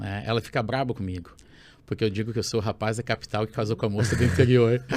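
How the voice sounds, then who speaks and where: Speaking at a very fast pace, the man keeps a medium pitch and fairly even intonation. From southern Brazil, Rio Grande do Sul (Porto Alegre, family from Bagé). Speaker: pastor. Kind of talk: podcast interview.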